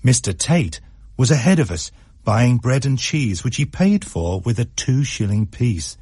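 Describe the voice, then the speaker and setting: A man reads a story aloud for radio, his voice husky and full of lively swings in pitch. He slows and quickens to shape each scene. The recording is dry and close. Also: no room sound. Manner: expressive, shifts pace for effect. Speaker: narrator.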